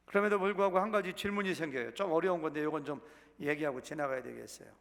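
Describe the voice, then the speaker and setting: Man, pastor, Sunday sermon, slightly high voice, gravelly edge, conversational, asks the congregation questions, long church reverb. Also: fairly bright tone. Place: church sanctuary.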